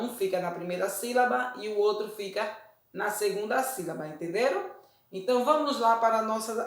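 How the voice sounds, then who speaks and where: A woman teacher giving a recorded lesson, explaining rules patiently and often checking that her students follow. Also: medium pitch. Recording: roomy echo.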